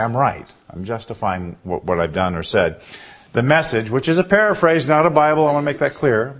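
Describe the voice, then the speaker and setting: A man preaching a sermon in a church, asking the congregation questions as he goes, with a husky baritone voice. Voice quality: husky with a cough. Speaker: pastor. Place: church sanctuary.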